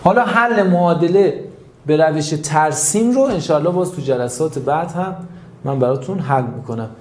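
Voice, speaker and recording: Math teacher, male, mixed Mashhadi accent, slightly high voice, step-by-step explaining, echoey room. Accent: mixed Mashhadi Persian. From North Khorasan, Iran. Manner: explains step by step, counting points aloud. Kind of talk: online math lesson. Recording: roomy echo.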